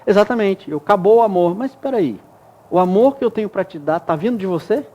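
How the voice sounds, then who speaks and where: A man speaks as a guest in a TV studio interview, laying out ideas step by step with everyday examples. He has a fairly high voice and a warm, mellow tone, and he often checks that his listener is following. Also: lively intonation, fast, lo-fi sound. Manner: reflective, explains with examples and frequent tag questions. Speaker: guest expert. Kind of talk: explanatory interview talk.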